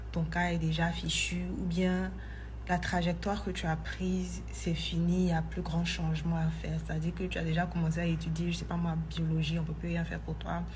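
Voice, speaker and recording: A woman's voice: on the low side, a little hiss or hum. A woman who tells a personal faith testimony in a chatty vlog, dropping in English phrases. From Ivory Coast. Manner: chatty, mixes in English phrases, grows excited. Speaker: vlogger.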